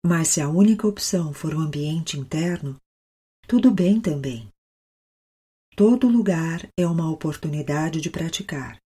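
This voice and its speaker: A Brazilian woman leading a guided meditation as an instructor, with the calm, soothing delivery of a yoga teacher and long pauses. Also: deep voice, breathy edge.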